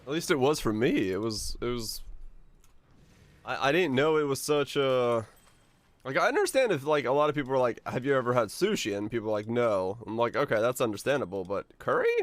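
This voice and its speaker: A Finnish man livestreaming a game chats casually and informally with his viewers, thinking aloud and swearing mildly now and then. His medium-pitched voice is expressive and a little fast, with no echo.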